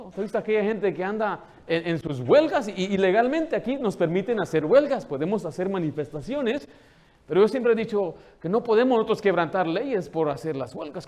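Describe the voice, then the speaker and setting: A man preaching a sermon as pastor, animated, asking the congregation questions and acting out the people he quotes. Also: sits high. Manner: acts out quoted dialogue in changed voices.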